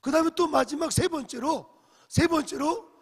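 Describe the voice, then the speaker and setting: In an echoing church hall, a man with a very high voice preaches a dawn sermon at normal speed. He recounts the story, dramatizes quoted speech, asks the congregation questions, and mixes in English phrases.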